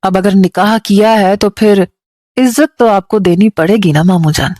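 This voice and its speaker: A woman's voice: medium pitch, darkish tone, no room sound, clean studio sound, natural voice. A woman with a Pakistani Urdu accent voicing a bitter, defiant young man who speaks in a cold, taunting way.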